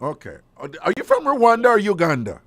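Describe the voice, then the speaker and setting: Sitting high and a bit bright, this man's voice swoops wildly in pitch while keeping a normal speed. He hosts a live call-in radio show with a Jamaican accent, teasing callers and playfully repeating their responses.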